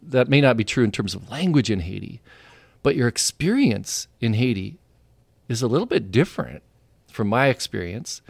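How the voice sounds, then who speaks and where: A man co-hosts a casual podcast chat, enthusiastic and quick to laugh. His voice has a gravelly edge and jumps up and down in pitch. The sound is close and dry. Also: very animated, no echo. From Canada. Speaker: podcast co-host.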